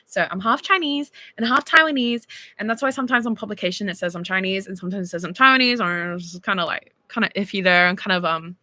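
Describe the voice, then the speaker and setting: An Australian woman, a singer chatting casually on a livestream from her bedroom, bubbly and animated as she reads fan texts. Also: medium pitch, fast talker, no echo.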